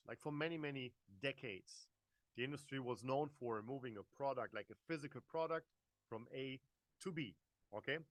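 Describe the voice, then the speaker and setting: A man's voice: mid-range voice, fairly bright tone, no room sound. A man in his forties with a German accent, giving a chatty live online business presentation, talking straight to his audience with many fillers and restarts. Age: 40s. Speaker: network marketing presenter.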